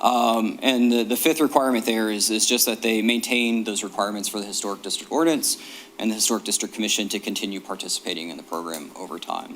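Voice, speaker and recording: Amid noticeable background noise, a man at a medium pitch talks at a very fast pace with hardly any pauses, ordinary pitch variation and big swings in loudness. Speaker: state historic preservation officer. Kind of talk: presentation to a commission. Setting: city planning commission meeting. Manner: frequent filler ums.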